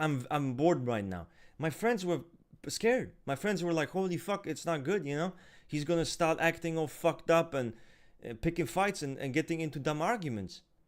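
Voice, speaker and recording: At a moderate pace, a man with a fairly high pitch and ordinary pitch variation speaks on a very clean recording with a silent background. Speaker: streamer discussing personality types. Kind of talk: casual livestream chat. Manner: loud, intense.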